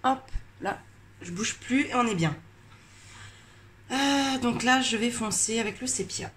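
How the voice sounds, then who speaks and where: A tired, slightly congested woman chatting casually while coloring, rambling with many hesitations and pauses. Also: on the high side, fairly bright tone, a little hiss or hum. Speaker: coloring vlogger.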